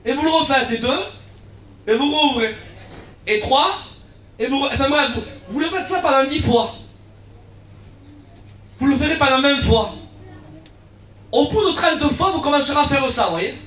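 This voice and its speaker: A guest pastor giving a lively sermon, acting out little dialogues, shouting key lines and dropping into low asides. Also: male voice, moderate pace, pauses often. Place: church hall. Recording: echoey church from far off.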